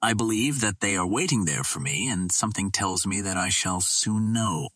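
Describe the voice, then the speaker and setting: A man narrates an adventure tale in a dramatic, first-person storytelling style. His voice is low and husky, with a rough grain to it. The sound is very dry, with no room around it. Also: normal speed, a bit bright, dry recording. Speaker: audiobook narrator.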